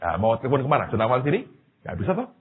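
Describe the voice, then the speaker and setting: Male pastor, raspy, lively pitch, animated sermon storytelling; tinny lo-fi recording. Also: very fast. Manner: animated storytelling, addresses the congregation directly.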